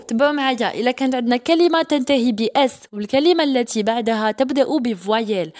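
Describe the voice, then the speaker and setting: A woman teaching French reading, repeating each sound slowly and praising her pupils. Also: a little high, a little mellow. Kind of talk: classroom-style reading lesson.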